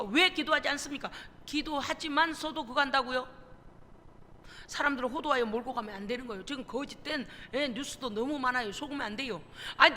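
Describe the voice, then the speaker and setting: A woman pastor preaching a sermon, animated and emphatic, acting out conversations as she tells stories. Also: sits high, big-room sound, slight background noise. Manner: animated storytelling, acting out phone calls. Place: church sanctuary.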